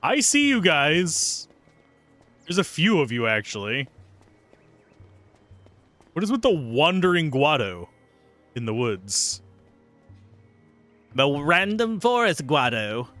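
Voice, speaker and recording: Chatty, slightly raspy male streamer. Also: on the high side, big pitch swings, slow pace, pauses often, a bit bright, no room sound, faint music behind. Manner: chatty, jokey, reacts aloud. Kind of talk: casual gameplay commentary.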